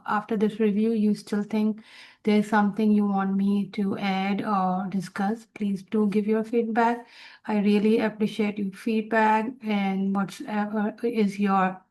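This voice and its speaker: Casting: female instructor, native Urdu speaker with South Asian accent, explaining study tips informally, encouraging and repetitive, mid-range pitch. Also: little pitch movement, takes it slowly, a little mellow. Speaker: exam review instructor for nursing students.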